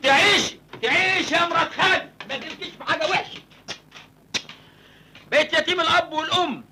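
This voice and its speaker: An actor with an Egyptian accent playing a cheeky, joking young orphan from the village in a comedy film. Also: male voice, extremely high pitch, a little fast, background noise. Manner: cheeky, joking, cheerful country talk. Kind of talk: comic film acting.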